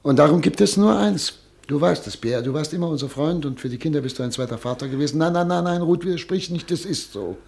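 A man's voice: fairly high pitch, animated, quick pace, creaky, darkish tone. A man playing an anguished exiled doctor and family man in a German radio drama, speaking earnestly and insistently. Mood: agitated, insistent.

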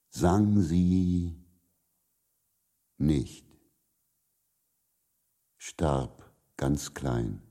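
A man reciting a poem in a measured, deliberate manner, leaving long pauses. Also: a bass voice, dark tone. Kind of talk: poetry recitation.

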